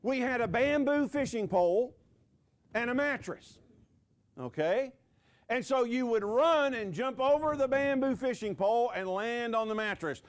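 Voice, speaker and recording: A man in his sixties preaching a sermon with dramatic pauses, dropping his voice low on key words and joking with the congregation. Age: 60s. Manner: jokes with the audience.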